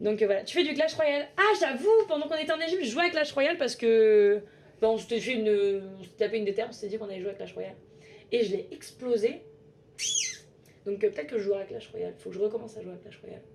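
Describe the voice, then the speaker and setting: Delivered at a very fast clip with big swings in loudness, the animated, lively-intoned speech plays over noticeable background noise. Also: woman, fairly high pitch for a woman. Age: 20s. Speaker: live streamer. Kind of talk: casual chat.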